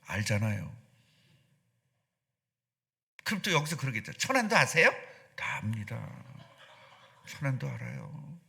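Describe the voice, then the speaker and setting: A middle-aged man preaching a sermon as pastor, animated and asking the congregation questions. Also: medium pitch, a little slow, gravelly, pauses often. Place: church sanctuary.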